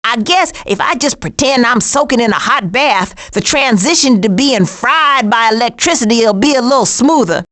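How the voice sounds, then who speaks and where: Sassy, high-pitched American cartoon skunk. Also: female voice, lively intonation, moderate pace, few pauses, a bit bright. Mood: sassy, deadpan. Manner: sassy, sardonic, folksy. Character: sassy, cranky female cartoon skunk, streetwise and dry-witted. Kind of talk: animated video game voice acting.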